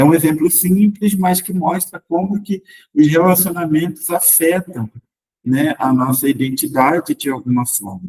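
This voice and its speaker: At a fairly slow pace, a man with a fairly high pitch and ordinary pitch variation is heard in a dry, close recording with no echo. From Rio de Janeiro, Brazil. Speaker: pastor teaching a discipleship class. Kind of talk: lecture. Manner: hesitant, frequent fillers and restarts.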